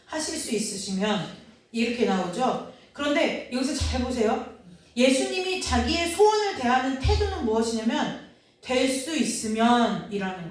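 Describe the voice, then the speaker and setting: A woman with a high voice gives an earnest sermon, turning questions to the congregation. She sounds far from the microphone, and the church around her rings with heavy echo. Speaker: preacher. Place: church sanctuary. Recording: very echoey, from far off.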